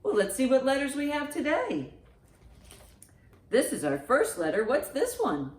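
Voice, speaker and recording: A woman hosting a children's storytime in an animated, encouraging, sing-song way, with rhymes and picture-book reading. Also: sits high, measured pace. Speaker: library storytime host. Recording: roomy, echoey indoor sound.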